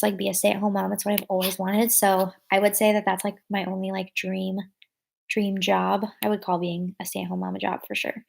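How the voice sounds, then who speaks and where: A young woman chats casually with her viewers as she answers their comments. Her talk wanders, packed with "like" and "um", and she corrects herself mid-sentence. Her voice sits at a middling pitch with a steady gravelly fry. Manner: rambling, filler-heavy, lots of "like" and "um"; thinks aloud and corrects herself. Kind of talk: casual live chat.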